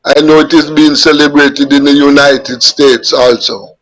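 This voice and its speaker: A Jamaican man in his fifties or sixties, a veteran journalist, answering interview questions on a video call in a measured way, repeating words as he gathers his thoughts. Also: fairly high pitch, fairly even intonation, fairly bright tone, rough recording. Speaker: guest journalist. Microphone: webcam on a video call.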